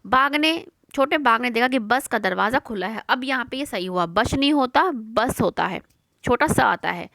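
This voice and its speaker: A woman's voice: a little high, lively intonation, moderate pace, gravelly, pushed and bright, dry recording. A woman teaching young children, patiently going through a worksheet, asking questions and answering them herself. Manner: patient, repeats words and asks questions then answers them.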